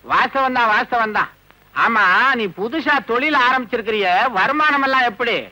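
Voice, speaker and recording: A man's voice: very high voice, moderate pace, bright, forceful tone, no room sound, exaggerated voice, low-quality recording. An actor playing a suspicious father who scolds and teases his son with sarcasm. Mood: sarcastic. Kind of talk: 1980s Tamil film comedy.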